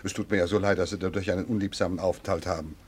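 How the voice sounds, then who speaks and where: An actor playing a flustered, apologetic host in a radio play. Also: male voice, low-pitched, steady tone, rapid-fire, a little mellow, breathy edge.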